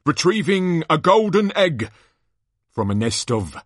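A man voicing a bombastic sports announcer from a storybook, a booming showman with drawn-out theatrical calls. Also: very animated, no room sound, studio quality. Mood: showy, grandiose. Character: bombastic male sports announcer hyping a tournament.

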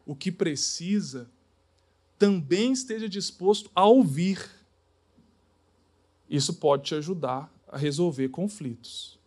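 High-voiced preacher. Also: male voice. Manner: animated, acts out dialogues. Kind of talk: sermon.

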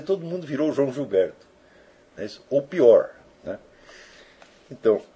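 Husky guy lecturing, keeps asking "right?" after everything, voice swings up and down a lot. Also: medium pitch, a little mellow. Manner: keeps tagging sentences with checking questions. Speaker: teacher answering listener questions. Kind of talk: informal spoken lecture.

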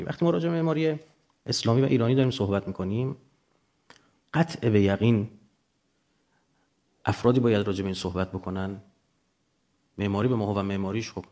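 A man with an Iranian Persian accent gives an informal, emphatic lecture, using examples and rhetorical questions to explain his points. His voice sits on the low side and sounds slightly mellow.

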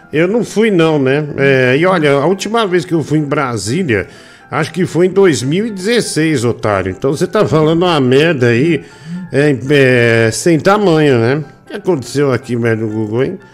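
A man from Brazil, hosting a casual live stream, slangy and teasing at an unhurried pace. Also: a little high. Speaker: livestream show host.

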